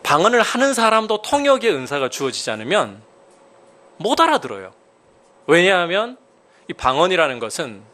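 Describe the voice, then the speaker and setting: A male pastor preaching in a slightly high voice that swings widely up and down. He stresses key points with sudden loud rises and asks his listeners questions as he teaches. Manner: emphatic preaching with sudden rises in pitch and volume. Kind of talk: sermon.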